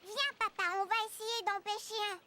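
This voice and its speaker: A woman's voice: fairly quick, a little hiss or hum. A woman voicing a cheerful, curious four-year-old cartoon boy who pleads eagerly. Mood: playful. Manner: eager, pleading, high childlike voice. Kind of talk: French-dubbed cartoon acting. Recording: loud music bed.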